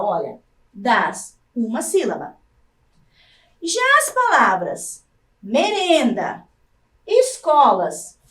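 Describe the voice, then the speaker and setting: A Brazilian Portuguese-speaking woman teaching a recorded lesson for adult learners, slowly sounding out syllables one by one. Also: sits high, fairly bright tone, far from the mic. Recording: echoey room, voice off-mic.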